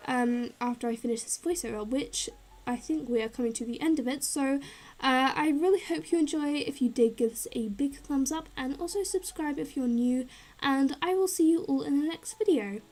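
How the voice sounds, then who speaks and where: A woman's voice: high-pitched, moderate pace, darkish tone. A young woman with a blocked, nasal nose, chatting loosely through a game-building voiceover with many fillers. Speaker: game building channel host. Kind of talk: casual voiceover over a speed build.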